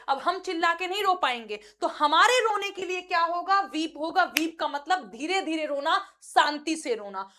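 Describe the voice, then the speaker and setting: A woman with a high-pitched, somewhat bright voice gives a spoken-English lesson in Hindi. She explains with vivid examples and puts questions to her viewers.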